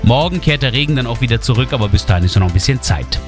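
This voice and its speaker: A man's voice: mid-range voice, expressive, fast. A male radio host giving traffic and weather reports in a chatty way, speaking directly to his listeners from a studio. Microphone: studio microphone. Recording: music bed under the voice. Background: music bed under the talk.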